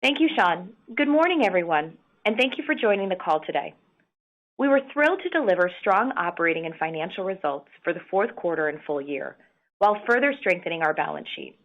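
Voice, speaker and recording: An American woman reading scripted financial results in a formal, measured way as a corporate executive on a conference call. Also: on the low side, big pitch swings. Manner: formal, measured business delivery. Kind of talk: scripted earnings call presentation. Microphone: conference call line. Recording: dull, band-limited conference call audio.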